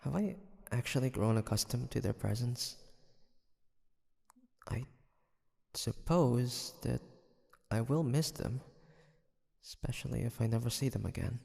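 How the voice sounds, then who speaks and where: A man playing a brooding, guarded demon hunter from the 1850s in an intimate audio roleplay, speaking in a hesitant, halting way. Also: mid-range voice, vocal fry, warm tone, husky, big-room sound. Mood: wistful, flustered. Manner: hesitant, halting, sighing soliloquy. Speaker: voice actor.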